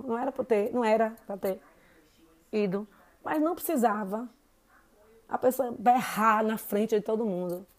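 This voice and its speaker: A woman's voice: mid-range voice, a little mellow. Chatty Bahian woman in her forties. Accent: Bahian Portuguese, Salvador. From Brazil. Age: 40s. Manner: chatty, keeps addressing listeners with "gente" and "né". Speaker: podcast host. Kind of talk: casual monologue podcast.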